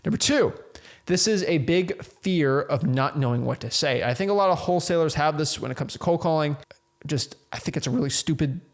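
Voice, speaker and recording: A young man with a notably high voice gives an energetic motivational talk to camera. His speech is casual and slangy, with frequent repeats and restarts as he coaches real estate wholesalers. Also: fairly quick.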